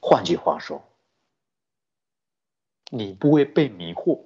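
A man who is a Buddhist teacher, giving a sermon with lively storytelling and rhetorical questions. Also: lowish voice, takes it slowly, breathy edge. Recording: dull lo-fi recording.

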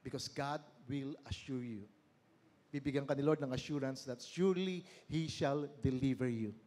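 A man preaching as a pastor, switching between two languages, asking the congregation questions and swinging from loud praise to slow, low emphasis. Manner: preaches in Tagalog mixed with English, asks the congregation questions. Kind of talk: sermon.

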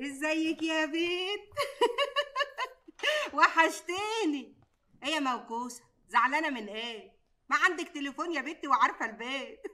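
A boisterous older aunt who jokes and teases constantly, with an Egyptian accent. Her voice sits high, and she talks in bursts of laughter and banter in a television comedy drama. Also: full character voice. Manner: loud, laughing, teasing banter.

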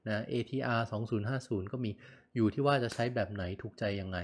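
A man's voice: on the low side, fairly quick. A man giving a casual product review. He talks in a loose, chatty way, repeats himself, and speaks into a small USB condenser mic on a desk in an indoor room. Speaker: gadget reviewer.

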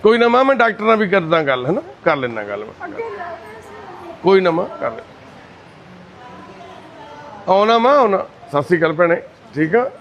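A man with a fairly high voice speaks softly and kindly, doing the rounds of a shelter and chatting with each resident. He comforts and reassures the people he greets. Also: very animated, moderate pace, long pauses, lo-fi sound. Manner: gentle and reassuring, calls women mother and sister. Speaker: charity volunteer visiting residents. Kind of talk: casual chat with care-home residents. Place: indoor shelter for destitute people.

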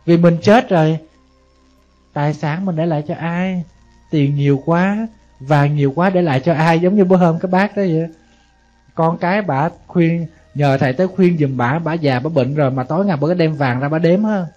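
A man's voice: a little high, moderate pace, a little mellow. A male Buddhist monk with a Southern Vietnamese accent, preaching in a conversational way and asking the audience rhetorical questions. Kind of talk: Buddhist sermon. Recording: dull lo-fi audio, faint music behind.

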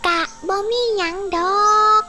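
A woman's voice: slow, music in the background, lightly acted. A woman voicing a boastful old village grandmother, chatty and sing-song, with a Northeastern Thai Isan accent. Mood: cheerful. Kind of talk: animated cartoon acting.

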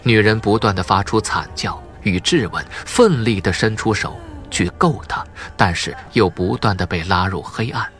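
A man's voice: fairly low pitch, animated, normal speed, hardly any pauses, fairly bright tone, soft background music. A man narrating a suspense audiobook in a dramatic, theatrical storytelling manner.

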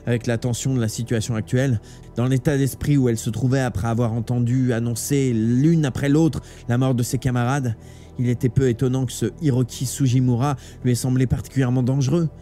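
A man reading a novel aloud live, with steady, dramatic storytelling. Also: mid-range voice, brisk. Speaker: audiobook reader. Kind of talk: live audiobook narration. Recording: faint background music.

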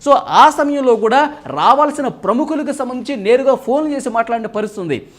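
Male news commentator, high voice, rapid fluent delivery, explanatory, leans on "so" to open phrases. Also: expressive. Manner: fluent, explanatory, often opens phrases with English "so". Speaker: political commentator.

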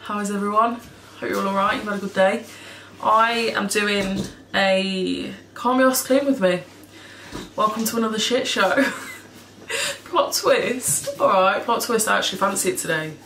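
A woman's voice: mid-range voice, normal speed, fairly bright tone. Chatty woman with a froggy throat. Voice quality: a bit hoarse, froggy throat. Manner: chatty, rambling, swears casually, laughs often. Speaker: cleaning vlogger. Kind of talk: casual chat to camera. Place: home kitchen, indoors. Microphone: camera in front of her at table height. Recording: echoey kitchen with background noise.

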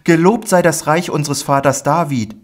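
Male reader doing a jubilant crowd figure for an audiobook: high, loud calls of praise. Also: normal speed, natural voice. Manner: shouting praise.

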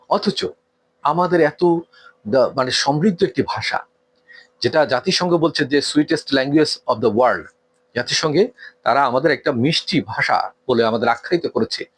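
A man from Bangladesh, giving an earnest, lecturing talk on etiquette, asking rhetorical questions and pausing with frequent hesitations. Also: mid-range voice, a bit bright. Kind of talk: didactic talk.

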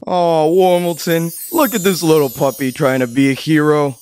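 A man's voice: on the high side, darkish tone, slight background noise, lightly acted. A man voicing a grandiose, mocking villain dog scientist in a superhero cartoon, drawing out his gloating theatrically. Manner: theatrical, menacing, drawn-out gloating. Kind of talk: animated superhero cartoon acting. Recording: music behind the voice.

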